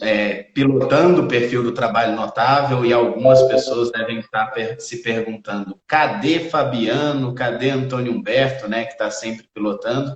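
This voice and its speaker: With a Goiás accent, a man speaks at a fairly slow pace, his medium pitch held in fairly even intonation. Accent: Goiás accent, drawling. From Goiás, Brazil. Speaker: labor lawyer. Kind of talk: live webinar discussion. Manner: drawling.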